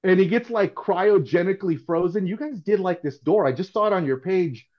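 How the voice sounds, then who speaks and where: A man's voice: high voice, fairly quick. Earnest, rambling middle-aged man. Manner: earnest, rambling, with frequent restarts. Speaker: podcast guest. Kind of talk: casual podcast conversation. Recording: dull, lo-fi sound.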